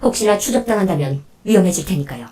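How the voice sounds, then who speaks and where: A woman playing a dutiful android helper in an audio drama, speaking formally, in a measured and unemotional way. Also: fairly low pitch, animated, dark tone, natural voice, low-quality recording. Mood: calm, formal. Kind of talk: Korean audio drama acting.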